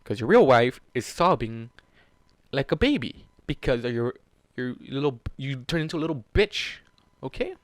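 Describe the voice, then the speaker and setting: A man with a mid-pitched voice reads fan fiction aloud in a close, dry recording. He narrates dramatically and slips into casual, sweary commentary, clearly invested in what happens. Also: very animated, normal speed, dry recording. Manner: emotionally invested, exasperated asides. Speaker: fan fiction reader and channel host. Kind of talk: dramatic story reading with casual profane reactions.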